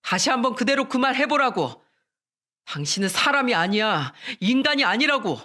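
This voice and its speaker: A reader voicing a furious husband who shouts accusations at his wife in a storybook radio drama. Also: high voice, animated, normal speed.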